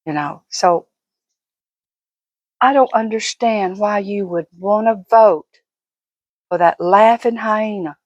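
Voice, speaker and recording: An older woman talks to her vlog audience in an unhurried, folksy way. She delivers a casual, opinionated monologue with an emphatic, fussing manner, at a middling pitch in a dry, close-sounding recording. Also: darkish tone, no echo, lo-fi sound. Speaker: vlogger.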